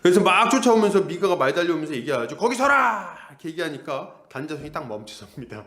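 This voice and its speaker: A middle-aged male pastor preaching an expository sermon, animated and acting out the characters. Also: on the high side, fast, roomy sound. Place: church hall.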